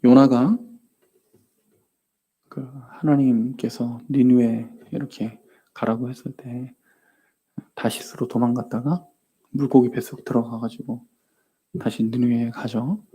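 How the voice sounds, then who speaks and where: A man preaching a sermon as pastor. His delivery is emphatic, with rhetorical questions to the congregation, sudden loud exclamations and near-whispered asides. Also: medium pitch, flat delivery, unhurried, pauses often, slightly rough. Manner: acts out the nagging inner voice in direct speech.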